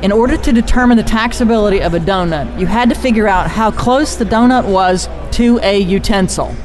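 Amid noticeable background noise and audible room echo, a woman speaks with an American accent. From US South, Greenville, South Carolina. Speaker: accountant and comedic speaker. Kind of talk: interview. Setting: conference venue.

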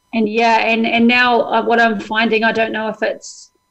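Speaking at a fairly slow pace, a woman talks with a New Zealand accent. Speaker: hypnotherapist and community organizer. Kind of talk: casual interview chat.

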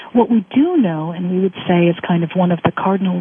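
A woman speaks at a medium pitch with noticeable background noise behind her. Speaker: lawyer and civil liberties advocate. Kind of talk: interview on talk radio.

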